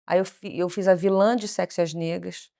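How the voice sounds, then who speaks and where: Woman w a bit of fry in her voice, chatty podcast guest, tells stories and does the quotes. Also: fairly low pitch, moderate pace. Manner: animated storyteller, acts out quoted dialogue. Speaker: guest, actress and singer. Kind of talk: casual interview chat.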